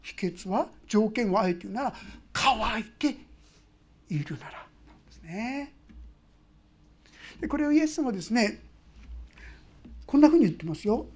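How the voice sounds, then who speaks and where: Woman pastor, sermon; husky voice, very lively pitch, loud bursts and soft asides. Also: moderate pace, pauses often. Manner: animated storytelling, swinging between loud exclamations and hushed asides.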